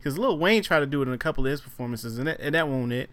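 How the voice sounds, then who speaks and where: Animated male show host. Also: mid-range voice, racing, a crowd in the background. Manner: animated, slangy, reads viewer questions. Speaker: podcast host. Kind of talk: casual conversation.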